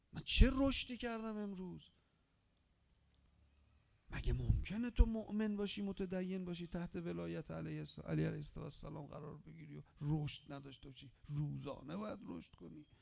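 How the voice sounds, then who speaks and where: Male preacher, high and gravelly, delivering a passionate sermon full of rhetorical questions, loud then hushed. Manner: impassioned, swings between loud exhortation and hushed whispering; rhetorical questions pressed on the listener. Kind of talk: Muharram religious sermon.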